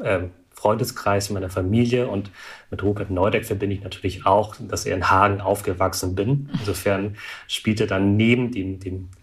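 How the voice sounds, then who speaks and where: A man in his thirties whose first language is Vietnamese, giving measured, analytical interview answers with some hesitations. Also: fairly low pitch. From Germany. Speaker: guest, alumnus.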